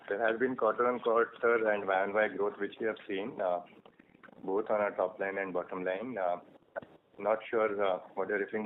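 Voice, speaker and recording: An Indian-accented man, a company executive answering questions on an earnings call in a halting, measured way. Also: fairly low pitch. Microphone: phone line. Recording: noisy, tinny phone conference line.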